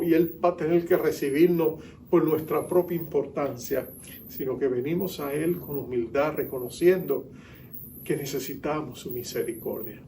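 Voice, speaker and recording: A man's voice: on the high side, creaky, mellow, a little hiss or hum. A male pastor preaching an earnest sermon in church, acting out the figures he quotes.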